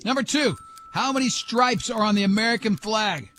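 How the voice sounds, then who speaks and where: A middle-aged man hosting a radio show, bantering and running a quick quiz in a teasing, jokey way. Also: high-pitched, a bit bright, a little hiss or hum. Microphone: studio microphone.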